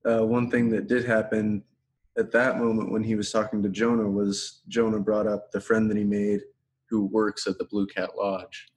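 Even-toned man with a lowish voice. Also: moderate pace, slight background noise, low-quality recording. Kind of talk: casual discussion.

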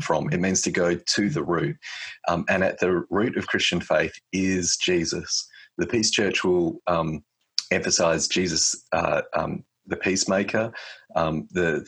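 A man in his forties, speaking as a podcast guest in a reflective, halting way with many fillers and restarts. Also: deep voice, fairly bright tone, slightly rough. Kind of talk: casual conversation.

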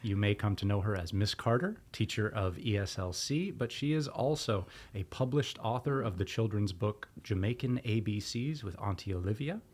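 A man's voice: fairly low pitch, normal speed, hardly any pauses, a little mellow, husky. A man hosting a podcast, reading out guest introductions and then asking friendly questions with some restarts. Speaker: podcast host.

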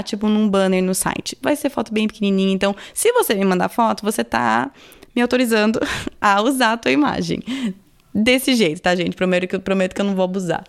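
A woman's voice: medium pitch, creaky. A woman hosting a podcast, talking casually and chattily with frequent laughs and asides. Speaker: podcast host. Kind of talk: casual chat.

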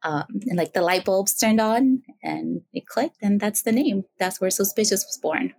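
A woman's voice: medium pitch, normal speed, vocal fry. A woman in her thirties from the Dominican Republic, a podcast guest chatting casually and telling stories with fillers and easy laughs. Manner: relaxed storytelling with fillers and laughs. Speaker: podcast guest, quilter and teacher. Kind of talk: casual interview chat.

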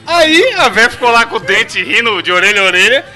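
A man's voice: high-pitched, sing-song, a little fast, sharp tone. A Brazilian man co-hosting a podcast, joking and slangy, laughing often. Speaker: podcast co-host. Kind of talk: casual podcast banter.

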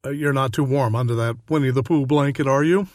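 A man voices a patient psychiatrist who speaks in a soothing, measured, clinical way in a comic radio play. His voice sits in a middle range, recorded dry and close. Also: medium pitch, a little mellow, no echo, natural voice. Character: calm, patient male psychiatrist.

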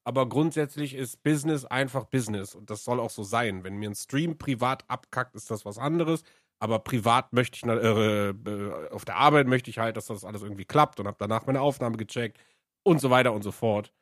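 A man's voice: medium pitch, brisk, fairly bright tone, dry recording, studio quality. A man co-hosting a podcast, a streamer chatting casually and laughing easily. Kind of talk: casual chat.

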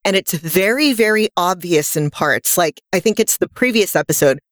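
A woman co-hosting a podcast in casual chat, chatty and full of quick asides. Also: lowish voice, expressive, dry recording, studio quality. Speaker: podcast co-host.

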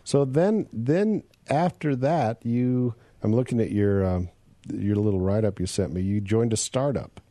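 A man from the United States hosts an interview in a low, mellow voice. He asks curious questions and tells relaxed stories. The sound is dry and close. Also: a little slow, no room sound. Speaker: podcast host. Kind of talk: casual interview questions and anecdotes.

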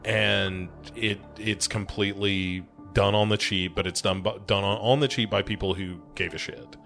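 A man with a fairly low voice co-hosting a podcast, earnest and emphatic as he talks. Faint music plays underneath. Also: steady tone, moderate pace, vocal fry, fairly bright tone. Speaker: podcast co-host. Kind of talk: casual chat about horror movies.

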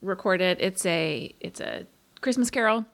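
A woman co-hosting a casual podcast, speaking in a calm, measured way and laying out figures matter-of-factly. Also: on the low side, gravelly. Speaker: podcast co-host. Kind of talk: casual chat.

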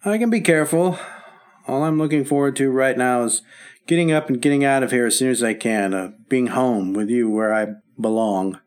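A man's voice: mid-range voice, darkish tone, lightly acted. A man playing a wry, stubborn patient. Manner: wry, joking, halting when upset. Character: recovering husband, wry and stubborn. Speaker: hospital patient. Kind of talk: 1950s radio acting.

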